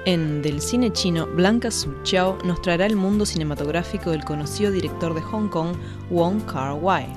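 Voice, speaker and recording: A woman's voice: fairly low pitch, normal speed, over music. A woman co-hosting a radio language lesson, announcing segments and repeating phrases after the teacher. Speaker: co-host and learner.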